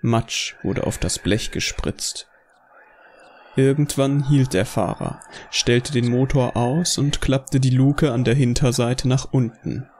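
A man's voice: medium pitch, takes it slowly, a little mellow, a little hiss or hum. A man reading scripted narration for a horror audio drama as its narrator. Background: faint music.

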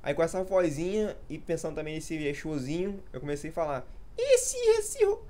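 A man's voice: on the high side, brisk, darkish tone. A man in his thirties chatting casually in a vlog, rambling and losing his train of thought, poking fun at himself. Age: 30s. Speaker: gaming youtuber.

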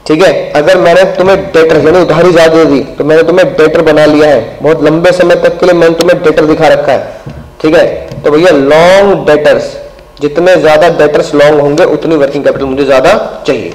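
A male commerce teacher lectures in a lively way, acting out little scenes as he explains. His voice sits slightly high, and he keeps checking in with short tag words. The teaching room gives off a clear echo. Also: moderate pace, slight background noise. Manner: animated, constant tag words, acts out scenes. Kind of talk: classroom lecture. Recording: echoey room.

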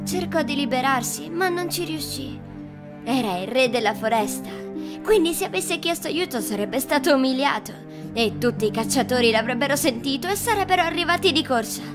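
A woman's voice: high-pitched, lively intonation, fairly quick. A woman storyteller reading scripted fairy tale narration for children. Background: background music.

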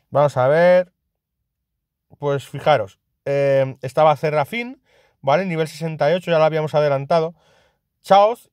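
A young man with a Spain Spanish accent giving casual, excitable gameplay commentary, swearing and laughing often. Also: fairly high pitch, dry recording, studio quality. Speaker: gaming youtuber.

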